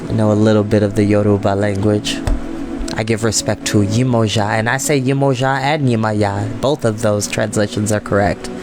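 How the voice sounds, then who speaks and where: Speaking at a moderate pace in a steady, lowish voice, an American man hosts a storytime show for online viewers. He's informal and heartfelt and keeps repeating phrases for emphasis, with soft meditation music in the background.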